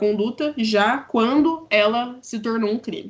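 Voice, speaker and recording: A woman speaks with a fairly high pitch and lively intonation. Her voice is somewhat breathy over a quiet background. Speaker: law student tutor. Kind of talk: lecture. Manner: fast.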